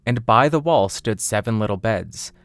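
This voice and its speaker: A man's voice: fairly low pitch, lively intonation, moderate pace, fairly bright tone, dry recording, studio quality. A man reading a scripted fairy tale as an audiobook narrator.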